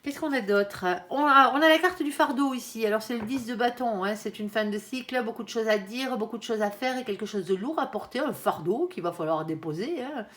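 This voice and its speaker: A woman's voice: on the high side, a little fast, few pauses, fairly bright tone, a little hiss or hum. A woman reading tarot cards for her viewers in a chatty, casual way, often tagging her sentences with little asides. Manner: chatty, constant "hein", playful asides. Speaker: tarot reader.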